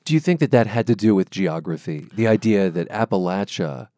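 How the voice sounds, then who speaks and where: A man interviewing an author, asking measured, thoughtful questions. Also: on the low side, animated, warm tone, no room sound, studio quality.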